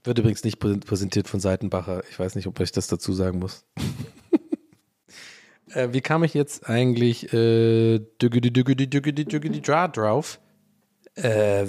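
An Irish man, English by first language, chatting alone on his podcast. He rambles and curses, mocks himself, and his voice leaps up whenever he jokes. Medium pitch, an ordinary everyday tone. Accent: Irish English speaker talking German. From Ireland. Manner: rambling, self-mocking, swears, jumps in pitch when joking. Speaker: podcast host. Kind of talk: casual solo podcast chat.

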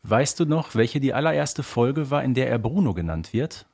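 A man's voice: medium pitch, lively intonation, normal speed, gravelly, darkish tone, breathy edge. A man with a German accent co-hosting a casual podcast, making points emphatically and posing quiz-like questions. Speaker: podcast co-host. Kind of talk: casual fan-podcast discussion.

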